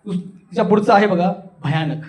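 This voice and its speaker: A man's voice: high-pitched, normal speed, a little mellow. A man with a Marathi accent from Maharashtra teaching a voice and public speaking workshop, theatrical and full of questions to his listeners. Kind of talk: animated classroom teaching with acted demonstrations.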